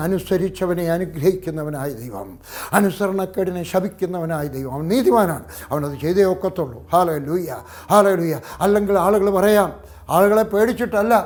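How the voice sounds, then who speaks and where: A middle-aged man preaches with force, his voice sitting a little higher than most men's. He keeps breaking into hallelujahs and fires question after question at the congregation. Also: a little mellow. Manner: emphatic, calls out hallelujah, fires rhetorical questions at the audience. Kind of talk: Pentecostal sermon.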